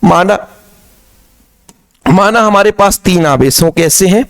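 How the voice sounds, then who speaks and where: During a classroom lecture, a man teaches physics to his pupils, repeating key phrases and posing questions he answers himself. His voice sits high and he takes his time.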